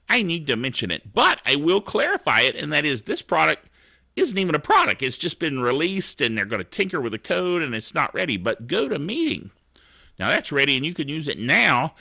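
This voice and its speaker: A middle-aged man hosting a tech podcast in a bright, forceful voice with a gravelly edge. He talks in a chatty, animated way and laughs at his own jokes. His pitch sits a little high and swings widely. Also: no echo, studio quality. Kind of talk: casual tech news commentary.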